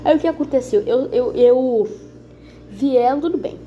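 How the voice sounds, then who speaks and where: Woman, Brazilian accent, church testimony, earnest and dramatic, repeats herself, soft warm tone. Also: high-pitched, normal speed, highs cut off, faint music behind. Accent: Brazilian Portuguese. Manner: earnest, repetitive, dramatic storytelling that addresses listeners as brothers. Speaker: church member giving testimony. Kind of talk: spoken conversion testimony to a congregation.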